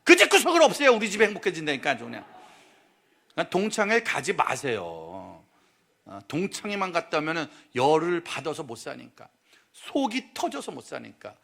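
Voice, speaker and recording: A middle-aged male pastor preaching a lively, humorous sermon in a church, teasing and questioning the crowd. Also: a little high, moderate pace, creaky. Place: church sanctuary.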